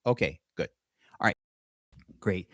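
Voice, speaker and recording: Middle-aged man, unhurried and hesitant, casual solo video talk, close and dry sound. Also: no echo. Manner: halting, with many restarts and pauses. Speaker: aspiring singer and video host. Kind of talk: casual monologue to camera. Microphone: computer mic with screen sharing.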